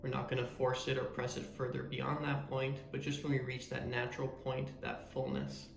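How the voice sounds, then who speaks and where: A man leading a guided meditation in a calm, measured, soothing way. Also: mid-range voice, gravelly, roomy sound, slight background noise. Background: meditation music.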